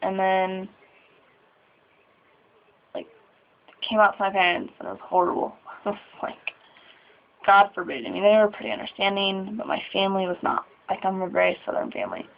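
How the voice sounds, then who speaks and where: A 21-year-old trans man talks haltingly in a confessional vlog, his nerves showing in sighs and small laughs. His voice has a gravelly fry. The recording sounds thin and phone-like. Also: high-pitched. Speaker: vlogger.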